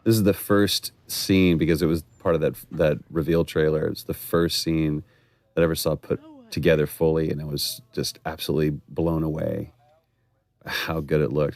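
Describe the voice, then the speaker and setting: A man's voice: extremely low pitch, level tone, fairly quick, creaky, darkish tone, no room sound. A man who acted the lead role in a video game, enthusiastically admiring its scenes in a commentary. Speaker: voice actor. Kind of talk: developer commentary.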